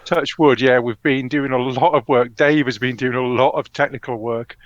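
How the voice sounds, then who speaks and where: A man's voice: mid-range voice, steady tone, normal speed, no room sound. A man hosting a live-stream show, chatting casually and rambling with many ums. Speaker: host. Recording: dull lo-fi dry sound.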